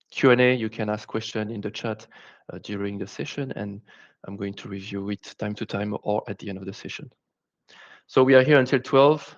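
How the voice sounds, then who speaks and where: A fairly quick male voice with a French accent, fairly low in pitch with fairly even intonation and big swings in loudness, over a quiet background. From France. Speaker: tech presenter. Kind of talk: webinar presentation.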